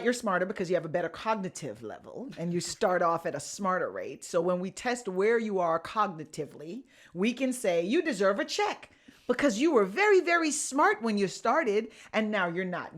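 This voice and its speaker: A woman co-hosting a podcast, chatting casually with sassy opinions and mock quotes of others. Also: lowish voice. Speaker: podcast co-host.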